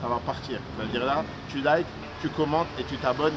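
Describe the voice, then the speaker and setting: Jeune homme, vlog décontracté, argot enthousiaste, bruit de rue et de circulation. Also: male voice, mid-range voice, a little fast. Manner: slangy, hyped street talk. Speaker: entrepreneur vlogger. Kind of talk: casual vlog to camera. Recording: noisy traffic and street background.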